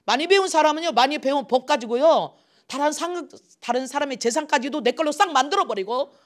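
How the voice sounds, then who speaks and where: Middle-aged man, pastor delivering a sermon, animated pitch, asks and answers his own questions. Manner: lively, asks the congregation questions and answers them; acts out quoted voices with rising pitch and force.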